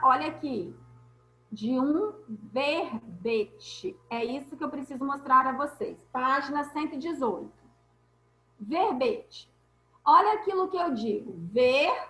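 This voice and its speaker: A woman's voice: high-pitched, sharp tone, echoey room, poor audio. A woman teacher giving an online class, explaining step by step and checking in with her students.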